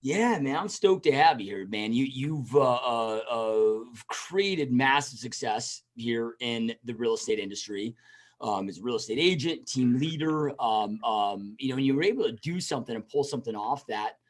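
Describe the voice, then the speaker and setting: A man's voice: medium pitch, lively intonation, moderate pace. A man hosting a podcast, talking casually in an informal, slangy, buddy-like way. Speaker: podcast host. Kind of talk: casual podcast interview chat.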